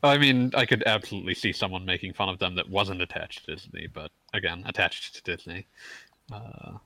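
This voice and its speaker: Rambling, lower-pitched man with a bright voice. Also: brisk, no room sound, rough recording. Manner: rambling, stammers on restarts, laughs mid-sentence. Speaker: podcast co-host. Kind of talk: casual gaming podcast chat.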